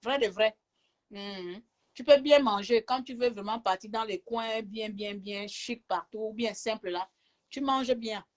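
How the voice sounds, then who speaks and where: A chatty woman films a casual vlog from her hotel room, her voice sitting a little high. She teases and laughs easily as she talks straight to the camera. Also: unhurried. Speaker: travel vlogger.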